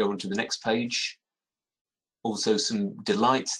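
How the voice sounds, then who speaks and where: With a southern English accent, a man speaks at a moderate pace. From southern England. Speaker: active travel campaigner. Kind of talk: webinar presentation. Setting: video call. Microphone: video call.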